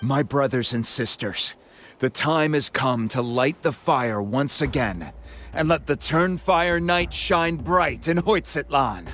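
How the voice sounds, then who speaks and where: Casting: tribal chief in a game, mid-pitched, authoritative, formal, faint music behind. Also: male voice, expressive, slow, a bit bright. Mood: solemn, ceremonial. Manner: solemn, formal. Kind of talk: video game voice acting.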